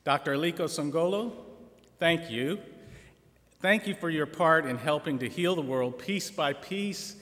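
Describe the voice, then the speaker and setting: Earnest college president in echoing hall. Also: male voice, on the high side, a bit bright. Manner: measured, earnest delivery with occasional restarts. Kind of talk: formal award introduction speech. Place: large hall. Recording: long hall reverb.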